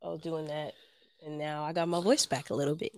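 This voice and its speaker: A young adult woman co-hosting a casual podcast, her voice still a little hoarse while it comes back, relaxed and quick to laugh. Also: low-pitched, dry recording, clean studio sound. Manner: relaxed, laughs easily, acts out quoted talk. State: recovering from lost voice, slightly hoarse. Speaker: podcast co-host. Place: Los Angeles.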